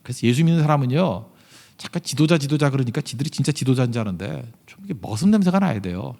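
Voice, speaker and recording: A man, a pastor, preaching a sermon in a church service in a conversational way, full of rhetorical questions, with sudden swings between loud emphatic lines and quiet asides. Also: medium pitch, animated, fast talker, creaky.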